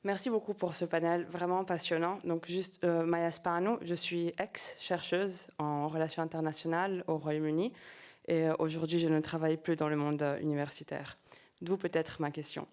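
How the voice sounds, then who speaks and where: A woman's voice: low voice, little pitch movement, moderate pace, a little mellow. A woman, a former researcher, asking a panel a long, polite question from the audience, searching for her words. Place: conference hall.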